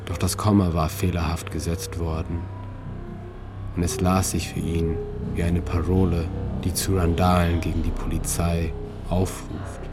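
A man reading his own literary narration in a calm, measured way, with slow deliberate pauses. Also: sits low. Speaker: narrator and author. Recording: narration over music.

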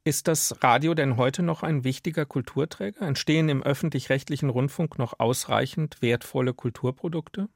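A man's voice: medium pitch, normal speed, vocal fry, few pauses, dry recording, studio quality. A man working as an interviewer, putting prepared questions in full, formal sentences.

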